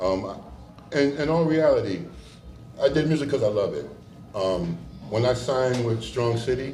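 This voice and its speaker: Lively intonation at a moderate pace, broken by long, frequent pauses, with audible room echo and noticeable background noise. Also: man, medium pitch for a man. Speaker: rapper. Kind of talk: interview. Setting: record store event. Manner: loud.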